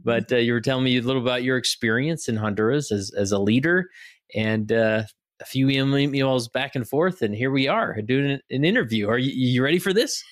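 A man's voice: medium pitch, brisk. A man hosting a podcast, talking in an upbeat, chatty way with frequent fillers and restarts. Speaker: podcast host. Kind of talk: casual interview and scripted promo read.

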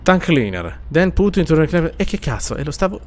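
A man's voice: fairly high pitch, sing-song, a little fast. A man streaming a horror game, nervously muttering, repeating himself and swearing as he plays. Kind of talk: live gameplay commentary.

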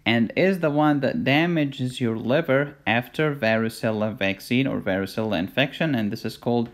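An Egyptian-accented man narrates a medical lesson as a voice-over. His pitch sits in the middle range for a man. He teaches with emphasis, asks himself questions and slips in jokes. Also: normal speed. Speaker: medical lecturer. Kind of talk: whiteboard medical lecture. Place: voice-over recorded for a drawn lecture video.

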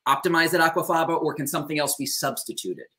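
A man's voice: a little high, fast talker, pushed and bright. A man in his thirties hosting a live stream over a video call, gushing with praise and relaying viewer questions. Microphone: video call webcam.

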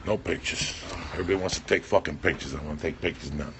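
An older man in his sixties, hosting a casual livestream in a small backstage room, talking loud and profane into a phone held at arm's length. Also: extremely low pitch, fast, noisy background. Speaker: comedian and podcast host.

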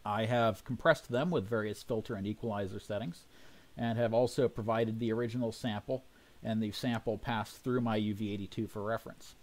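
A man reading a scripted technical narration in a measured, explanatory way. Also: fairly low pitch, fairly even intonation. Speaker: amateur radio experimenter.

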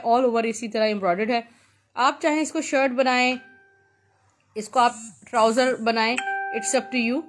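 A woman with a Pakistani accent hosting an informal live shopping sale, pitching repetitively and mixing in English words. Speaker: live-sale host selling clothes.

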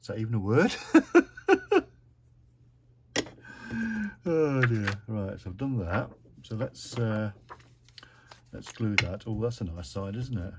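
A British man chatting through a card-making tutorial at his craft desk, relaxed and self-mocking as he talks himself through each step. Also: lowish voice, slow, pauses often, very noisy.

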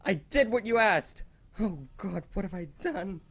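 A man's voice: high-pitched, lively intonation, unhurried, exaggerated voice. A man playing an anxious, guilt-ridden priest who speaks hesitantly in an audio drama. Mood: broken, remorseful. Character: timid, guilt-ridden priest, pleading and helpless. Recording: faint music behind the voice.

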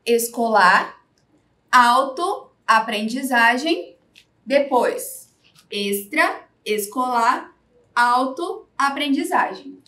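A Brazilian woman teaching a scripted lesson, speaking slowly and clearly in an instructive way. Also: sits high, fairly bright tone. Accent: Brazilian Portuguese. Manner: slow, clear, instructive delivery.

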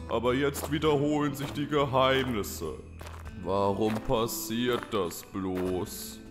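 A man's voice: mid-range voice, close to an everyday voice. A man playing a restless little town master creature in a children's audio drama, musing theatrically. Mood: brooding, weary. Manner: theatrical, musing, drawn-out delivery. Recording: hall-like reverb with music.

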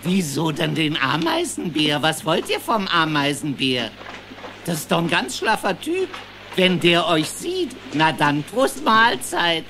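An easygoing armadillo in a children's audio drama. The voice is lowish and very animated, with a grumbly, folksy wryness. A faint noise sits behind it. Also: female voice, a little slow, exaggerated voice. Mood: amused, willing.

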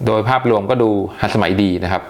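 A man's voice: on the low side, fast talker. A man giving a casual, chatty unboxing review, talking with hesitations and many polite particles. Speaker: tech reviewer.

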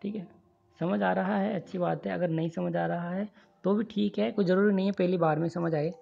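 Speaking briskly in a high, steady voice with vocal fry, a man gives an online engineering lecture over handwritten notes. He drills formulas and checks in with his students often. The screen-recording voice-over has a lo-fi sound.

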